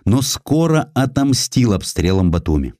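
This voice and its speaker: A man narrating a historical essay as a dramatic, expressive audiobook reader. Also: mid-range voice, a little slow, no echo, clean studio sound. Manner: expressive, theatrical storytelling.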